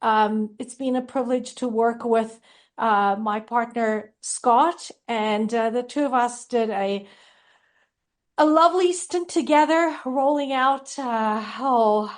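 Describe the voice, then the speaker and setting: A woman's voice: a little high, slow pace. A middle-aged woman with a South African accent, talking casually about her marketing career as an interview guest, with frequent ums. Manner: chatty, warm-humored, with frequent ums. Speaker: guest, franchise marketing consultant.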